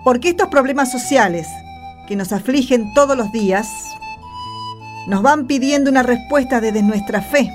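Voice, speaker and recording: A woman's voice: on the high side, normal speed, faint music behind. A woman with an Argentine accent, presenting on a radio drama in scripted, explanatory dialogue.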